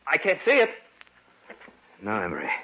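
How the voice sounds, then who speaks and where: An excitable young-ish friend, gravelly. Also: male voice, medium pitch, normal speed, full character voice. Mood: agitated. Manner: excitable, agitated. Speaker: friend of the narrator. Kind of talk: 1950s radio drama acting. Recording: noisy dull old radio broadcast.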